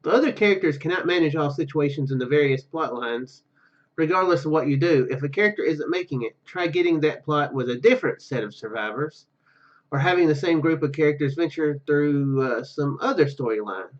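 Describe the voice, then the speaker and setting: A man hosting a gaming video, commenting casually and reading game text aloud in a halting, rambling way. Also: on the high side, muffled recording.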